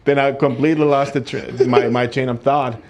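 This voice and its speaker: A man with a Finnish accent, a fitness trainer and podcast guest, telling a story haltingly with many pauses. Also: mid-range voice, little pitch movement, darkish tone, a little hiss or hum. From Finland. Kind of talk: casual interview chat.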